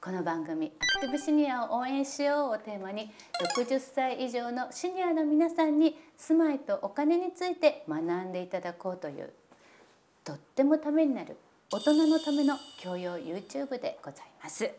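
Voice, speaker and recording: A woman hosting an interview at a guest's home, reacting brightly and asking quick follow-up questions. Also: high-pitched, very animated, a little hiss or hum. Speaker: host.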